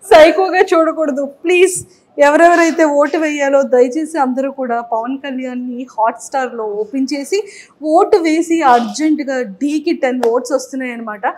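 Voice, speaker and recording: Enthusiastic Telugu-accented female host, bright high-pitched delivery. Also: steady tone, normal speed. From India. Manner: enthusiastic, frequent praise. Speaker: interview host. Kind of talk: lively entertainment interview.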